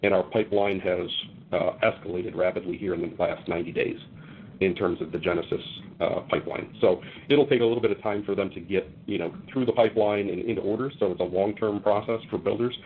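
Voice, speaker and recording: A man with a deep voice speaks quickly as a company executive on a conference call. He explains haltingly, repeating words as he goes. The sound is thin and phone-like, with a faint rumble behind it. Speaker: company executive answering analysts. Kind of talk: earnings call answers.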